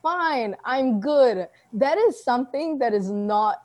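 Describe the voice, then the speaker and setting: Young woman, Singaporean-tinged accent, casual chat, chatty, quick asides. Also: sits high, expressive, darkish tone. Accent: Singaporean, softened toward American. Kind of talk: casual conversation.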